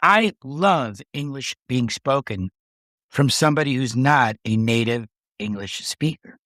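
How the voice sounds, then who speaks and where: A woman's voice: very deep voice, lively intonation, a little slow, fairly bright tone, no room sound, studio quality. A woman hosting a podcast, chatting in a teasing, emphatic way with her guest. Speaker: podcast host. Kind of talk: casual interview conversation.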